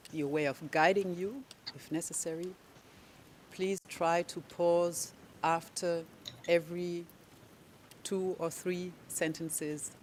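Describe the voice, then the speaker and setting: A lawyer for victims in a courtroom, speaking slowly and deliberately while explaining procedure and questioning a witness. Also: mid-range voice, a little hiss or hum. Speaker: legal representative of victims.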